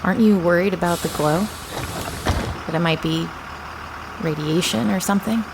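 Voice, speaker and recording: A female actor plays a wary woman from a small town, telling her story in an audio drama. Her voice sits a little low and sounds subdued and matter-of-fact. Faint ambient noise runs behind her. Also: moderate pace, lightly acted. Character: wary local woman back in her declining hometown. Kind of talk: first-person audio drama narration.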